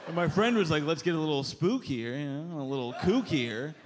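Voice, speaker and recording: A man in his thirties doing a stand-up set on a club stage with a handheld mic, punchy and animated, with loud put-on voices. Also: fairly high pitch, fairly quick. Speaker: stand-up comedian. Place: club stage before a live audience. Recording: live club recording with crowd noise. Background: audience laughter.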